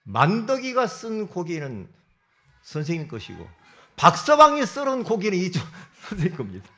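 A middle-aged man delivers a sermon with a lively, rising and falling voice pitched a little high for a man. He punches key phrases loudly, then drops into quiet asides to the congregation. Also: moderate pace. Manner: animated, swings between loud bursts and low asides. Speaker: pastor.

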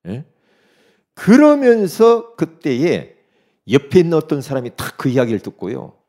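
A man preaching a sermon, retelling a story with animated delivery and acting out the characters' dialogue. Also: a little high, measured pace. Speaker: pastor.

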